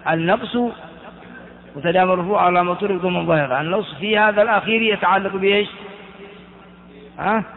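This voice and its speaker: A man teaching a grammar lesson slowly and deliberately, putting questions to his class and answering them himself. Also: high-pitched, slight background noise. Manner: slow and deliberate, repeating key terms. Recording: tinny phone-like audio in a reverberant hall.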